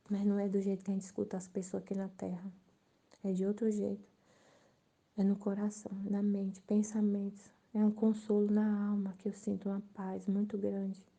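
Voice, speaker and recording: A woman sharing an earnest, emotional spiritual testimony, sometimes dropping to a soft near-whisper. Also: medium pitch. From Brazil. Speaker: Catholic channel presenter.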